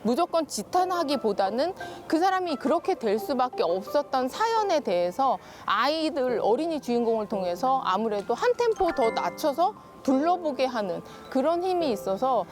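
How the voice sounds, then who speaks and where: A woman's voice: high-pitched, big pitch swings, moderate pace, few pauses, music in the background. A woman guest author explaining her points expressively in a talk-show interview, often with rhetorical questions. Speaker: guest children's literature author.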